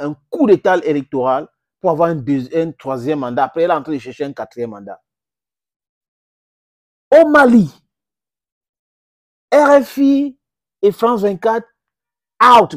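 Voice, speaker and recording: A middle-aged man whose first language is English, giving impassioned direct-to-camera political commentary on a lapel mic, with sudden jumps in pitch for emphasis. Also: sing-song, a little slow, long pauses, dry recording, studio quality. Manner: impassioned, gesturing, addresses viewers as friends, pitch jumps for emphasis. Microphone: clip-on lapel mic.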